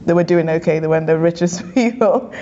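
A woman's voice: fairly low pitch, a little fast, dark tone, lo-fi sound, slight background noise. A woman from Ghana, a career coach, answering interview questions thoughtfully and laughing easily.

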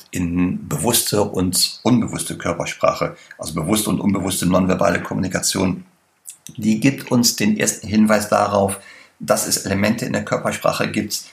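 A man's voice: lowish voice, gravelly. A man lecturing on body language, addressing the listener directly with many examples and frequent tag questions.

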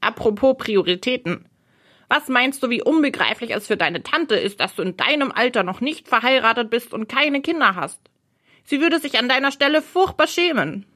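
A woman's voice: a little high, lively intonation, moderate pace, fairly bright tone. A woman voicing a blunt, provocative male bird in an audiobook, questioning and challenging the heroine. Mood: reasoning. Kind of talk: audiobook role reading.

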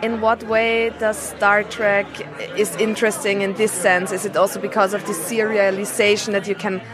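A woman's voice: medium pitch, level tone, normal speed. A woman interviewer asks questions casually on location. She raises her voice over a busy crowd, with music playing behind her. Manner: speaking up over loud event noise.

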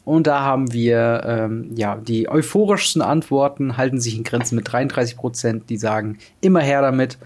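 Young guy cohosting a game podcast, lots of ums, average pitch, kinda halting. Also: a little mellow. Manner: hesitant, many fillers. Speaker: podcast co-host. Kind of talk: casual podcast chat.

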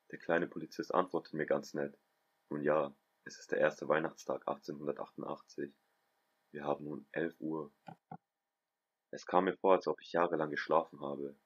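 A man reading a first-person story aloud in a calm, even storytelling voice. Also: extremely low pitch, highs cut off. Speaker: guest narrator, host's brother.

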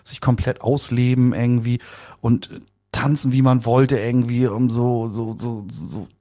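A man's voice: medium pitch, flat delivery, a little slow, dark tone. A man of about fifty being interviewed, talking in a casual, rambling, colloquial way and often repeating words. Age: around 50. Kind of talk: casual conversational recollection.

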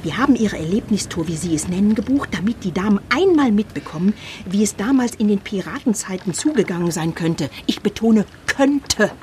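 A woman's voice: mid-range voice, animated, fairly quick, hardly any pauses, darkish tone, slight background noise, close to an everyday voice. A woman voicing a strict chaperone who speaks in an indignant, no-nonsense way. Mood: stern. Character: stern female chaperone of a group of women, fed up.

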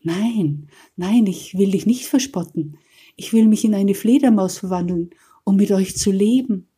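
A woman voicing a weary, timid old rat in a told fairy tale, fretting slowly over what to become. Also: mid-range voice, dark tone, breathy edge, voice pushed up.

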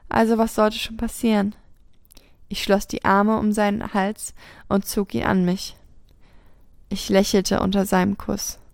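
Woman reading a spicy story out loud, bit of vocal fry, dry close sound. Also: mid-range voice, dry recording. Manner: steady first-person reading. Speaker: podcast host reading a story. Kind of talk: reading an erotic story aloud.

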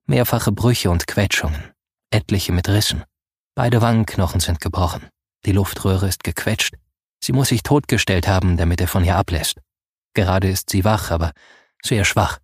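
A man voicing a calm male hospital doctor who speaks quietly and plainly. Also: low voice, moderate pace, slightly rough, no room sound, studio quality. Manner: quiet, matter-of-fact.

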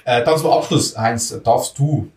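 Male podcast host, mid-pitched, casual and a bit stumbling; distant mic. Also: measured pace, darkish tone, reverberant. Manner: chatty, with stumbles and repeated words. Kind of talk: casual interview talk.

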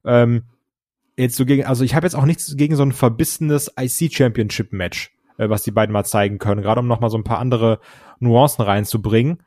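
A man's voice: mid-range voice, fairly even intonation, brisk, a little mellow, no echo, studio quality. A man co-hosting a casual wrestling podcast, talking hesitantly with many fillers. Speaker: podcast co-host.

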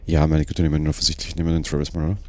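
A male player with a very low voice, musing in a wry, hesitant way over which witness to pick. The sound is dry and close. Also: completely flat delivery, rapid-fire, dry recording.

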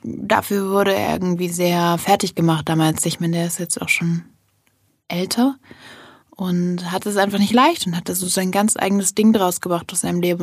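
A woman co-hosts a relaxed podcast chat with a slightly husky voice. She talks easily and teases with quick jokes. The sound is dry and close-miked. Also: fairly low pitch, no room sound. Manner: chatty, teasing, quick joking interjections. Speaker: podcast co-host. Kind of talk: casual chat.

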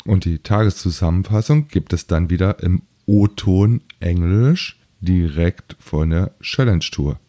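A man with a low, mellow voice presents golf results as a show host. His delivery is slow and unhurried, in a casual commentary style with a soft, dark tone.

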